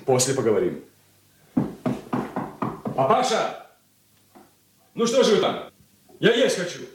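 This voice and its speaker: An actor playing an irritable, curt young elder son in a radio drama. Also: male voice, fairly high pitch, wildly swooping pitch, slow, background noise, exaggerated voice. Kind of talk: 1980s radio drama acting. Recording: roomy, from a distance.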